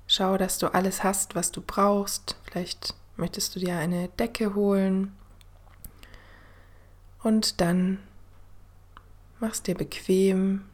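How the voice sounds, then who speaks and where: A woman host guiding a meditation in the soothing manner of a sleep story narrator, gentle and unhurried, with a soft, breathy voice that often drops to a near-whisper. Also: medium pitch, little pitch movement. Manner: gentle, unhurried, with long pauses. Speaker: podcast host and meditation guide.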